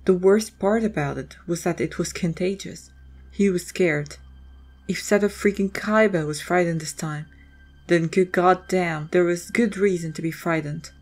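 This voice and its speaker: A woman's voice: fairly low pitch, fairly even intonation, unhurried, darkish tone. A woman reading scripted, dramatic story narration as the narrator of an audio drama.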